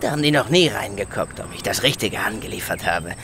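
Chatty, gravelly delivery driver. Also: male voice, fairly low pitch, lively intonation, quick pace, a bit bright, a little hiss or hum. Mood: chatty, offhand. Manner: colloquial, rambling, offhand. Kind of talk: German audio drama acting.

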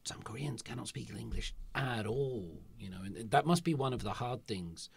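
A man's voice: medium pitch, animated, normal speed, gravelly, slightly rough, dry recording. A man hosting a casual discussion, chatty and curious, asking follow-up questions. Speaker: host.

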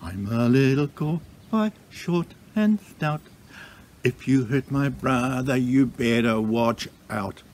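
A man voicing a small, stout, feisty female kowhai tree in a children's story, yelling boldly to protect a brother. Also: medium pitch, lively intonation, slow pace, a little hiss or hum. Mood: sung warning. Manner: bold yelling and sing-song threats.

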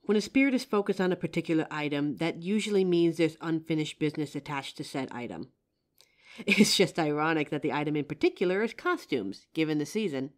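A woman's voice: deep voice, expressive, brisk. A woman playing a young psychic, earnest, confident and helpful, in a scripted roleplay audio drama. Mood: polite, assured. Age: young adult. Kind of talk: scripted roleplay audio acting, addressing the listener.

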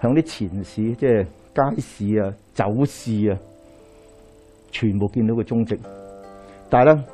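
Middle-aged man, Hong Kong Cantonese accent, mellow voice, storytelling Daoist lecturer, faint music behind. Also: on the low side, measured pace, long pauses, husky. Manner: animated storytelling with rhetorical questions, pacing while gesturing. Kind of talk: lecture to a live audience. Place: small lecture hall indoors, in front of a screen.

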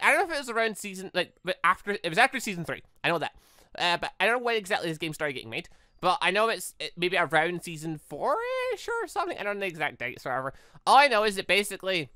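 A let's-play host with a bright voice and very animated pitch, recorded close and dry. The commentary is casual and rambling, with thoughts spoken out loud and corrected midway. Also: no echo. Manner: rambling, thinking aloud, self-correcting. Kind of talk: casual gaming commentary, reading visual novel text aloud.

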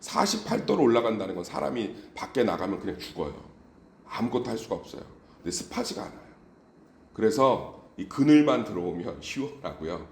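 Animated male pastor preaching, echoey hall. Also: lowish voice, a little fast, vocal fry, a little hiss or hum. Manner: animated, exhorting congregation. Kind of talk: sermon.

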